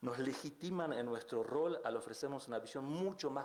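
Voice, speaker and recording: With audible room echo, a man talks at a moderate pace in a fairly high pitch with ordinary pitch variation. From Argentina, Buenos Aires province. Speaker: lawyer giving keynote lecture. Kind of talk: lecture. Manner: halting, many fillers.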